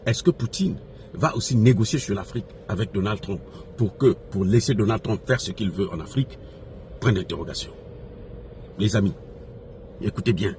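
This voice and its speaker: Speaking at a moderate pace with long pauses, a fairly low-pitched African man delivers impassioned, off-the-cuff political commentary. He repeats phrases emphatically and puts rhetorical questions to his followers. The recording is noisy, with background ambience.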